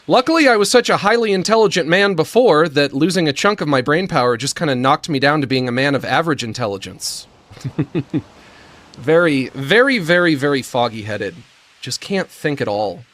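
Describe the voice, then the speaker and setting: Male streamer, squeaky and breathless; slurred, lisping delivery with stammers, slow self-mocking pace. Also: animated, fairly bright tone, no echo. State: short of breath, gasping before sentences. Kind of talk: prerecorded monologue.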